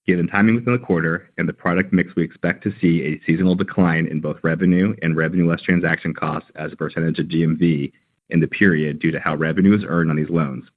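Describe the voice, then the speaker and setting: A man presenting as a company finance executive, reading prepared earnings remarks in a formal, measured way. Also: deep voice. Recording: dull, band-limited conference call audio.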